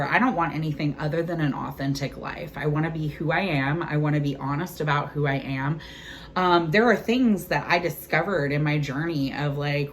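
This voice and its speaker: A woman's voice: low-pitched, a little hiss or hum. A woman in her forties hosting a cooking vlog, chatting candidly and casually to the camera in a conversational way. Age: 40s.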